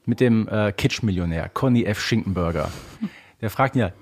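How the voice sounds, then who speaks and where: A man's voice: on the low side, normal speed, husky. A man co-hosts a casual fan discussion, playfully building up his points with theatrical flair. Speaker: podcast co-host.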